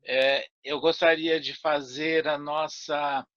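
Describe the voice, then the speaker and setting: An older man answering interview questions over a video call from his home study, speaking deliberately with frequent fillers and restarts. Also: on the high side, level tone, fairly bright tone, no echo. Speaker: guest speaker. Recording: dull lo-fi video call audio.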